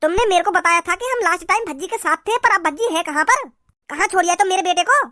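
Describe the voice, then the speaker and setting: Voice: extremely high pitch, animated, fast, bright, forceful tone, no room sound, studio quality, full character voice. A performer voicing a worried village mother in a cartoon, scolding and demanding to know where her son is.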